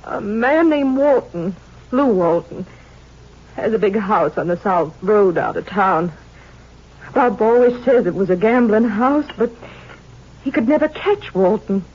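An actress playing a grieving, gracious sheriff's widow, gentle, folksy and hesitant, in 1950s radio drama style. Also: female voice, mid-range voice, animated, measured pace. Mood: sorrowful. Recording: dull vintage 1950s radio recording.

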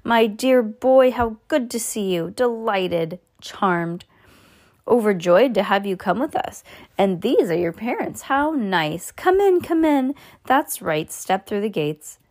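An exuberant, eccentric little gentleman from a storybook , acted out by a woman. The voice is high and fluty, gushing with polite exclamations and effusive welcomes. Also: animated. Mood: effusive, delighted. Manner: effusive, quick-fire exclamations and pleasantries. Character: exuberant, fussily polite, little eccentric male chocolate factory owner.

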